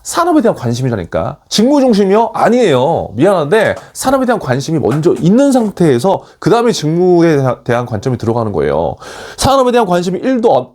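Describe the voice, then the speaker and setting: A man with a darkish, somewhat high voice gives an online lecture as a job application coach. He is emphatic and urging, frequently slipping into blunt, casual speech.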